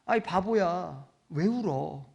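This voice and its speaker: A tender Jesus speaks softly and consolingly, as a preacher puts him on. The voice stays gentle and lowered, still on the high side for a man. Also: expressive, slow pace, vocal fry, husky, full character voice.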